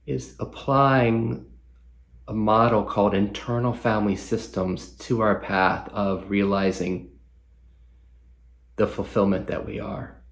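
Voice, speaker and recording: Male meditation teacher, gravelly fry, lowish pitch, gentle, reflective, frequent pauses. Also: fairly even intonation. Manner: gentle, pausing, reflective questioning. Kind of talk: guided meditation.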